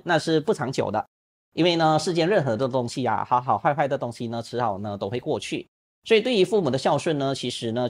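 A Buddhist monk speaks quickly at an ordinary pitch, answering questions from a lay audience. He jokes and acts out little examples, and peppers his sentences with soft filler particles. The sound comes through an online call. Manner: lively, humorous, acts out examples. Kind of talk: Dharma talk answering questions. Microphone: online video call.

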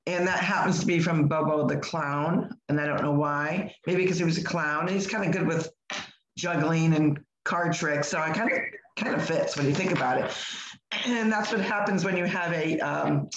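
An older woman with a hoarse voice co-hosting a live podcast, chatting in a rambling way with lots of restarts, over a video call from home. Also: sits low, steady tone, moderate pace, reverberant, lo-fi sound, a little hiss or hum. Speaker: podcast co-host. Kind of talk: casual live podcast chat.

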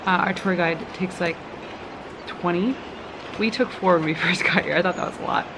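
A woman's voice: lowish voice, moderate pace. A young woman vlogging on a trip through the rainforest, chatty and playful, poking fun at herself. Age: young adult. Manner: chatty, playful, self-mocking. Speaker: travel vlogger. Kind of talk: casual travel vlog. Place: outdoors in a rainforest. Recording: noisy outdoor jungle recording. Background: insects and jungle ambience.

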